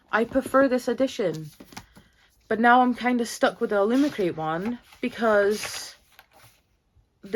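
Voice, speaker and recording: A woman with a Scottish accent, fairly high in pitch, with lively intonation at a moderate pace. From Scotland. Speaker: book youtuber. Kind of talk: casual vlog talk to camera. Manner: animated.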